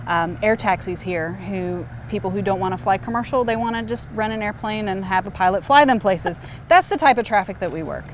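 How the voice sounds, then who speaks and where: Woman, slightly low voice, plain-spoken controller explaining procedures, faint vehicle noise behind. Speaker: air traffic controller. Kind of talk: informal interview explanation.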